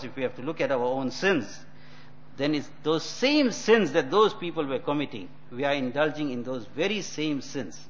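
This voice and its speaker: A man giving an admonishing Muslim religious lecture, phrasing deliberately and repeating his points. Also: fairly high pitch, fairly bright tone. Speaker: Muslim preacher. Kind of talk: religious lecture explaining a text. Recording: dull lo-fi audio, faint noise.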